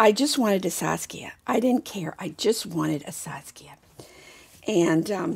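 At a fairly slow pace, a woman speaks with lively intonation, vocal fry, and big swings in loudness. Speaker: reborn doll collector vlogger. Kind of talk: casual chat. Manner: halting, repeats words. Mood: warm, reflective.

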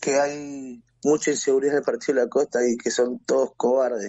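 The man's medium-pitched voice is monotone and flat, moving at a moderate pace. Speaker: grieving father of a murder victim. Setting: phone call. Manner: halting, choked, repeating phrases, trailing off mid-sentence.

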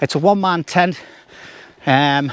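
A man's high-pitched voice with ordinary pitch variation, dry and free of echo. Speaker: outdoor camping vlogger. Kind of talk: casual vlog chat. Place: open country. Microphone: lapel.

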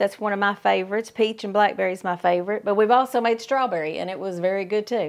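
A woman talks at a very fast pace with hardly any pauses and ordinary pitch variation, against a quiet background. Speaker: home cook host. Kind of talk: tutorial. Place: kitchen. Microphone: lapel.

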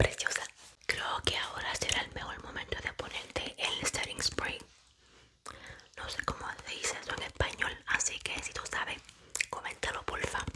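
Whispering softly at a moderate pace, a woman leaves long, frequent pauses over loud background noise. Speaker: ASMR creator. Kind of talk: soft ASMR roleplay chat. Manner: soft ASMR whisper close to mic. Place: home room. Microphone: studio mic.

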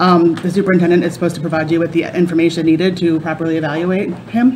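Over noticeable background noise, a woman talks at a very fast pace. Her fairly low voice stays monotone and flat. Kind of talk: formal explanation at meeting. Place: hall. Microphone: podium.

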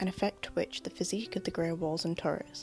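A soft-spoken woman talks at a fairly quick pace in a gentle tone with ordinary pitch variation. The sound is dry with no echo, and faint music plays in the background. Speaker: booktuber, book reader. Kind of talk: gothic short story reading aloud. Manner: soft-spoken, gentle.

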